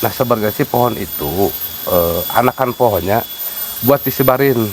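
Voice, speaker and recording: Outdoors at a wooded sacred site, a male guide with a Sundanese accent, a West Javanese who speaks Sundanese, gives an unhurried, filler-heavy explanation in a casual interview. His mid-range voice is animated and moves at normal speed. The recording is rough, with slight background noise.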